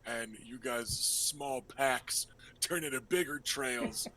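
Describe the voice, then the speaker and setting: A man working as game master, narrating a tabletop role-playing game in a casual, halting, improvised way. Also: mid-range voice, bright, forceful tone, slight background noise, low-quality recording.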